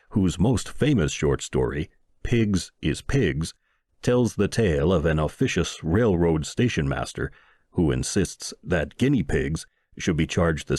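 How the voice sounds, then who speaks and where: A man reads a comic short story as an expressive narrator. His voice sits fairly low and moves around a lot in pitch. The sound is dry, with very little room in it. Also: dry recording. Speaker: audiobook narrator and reader.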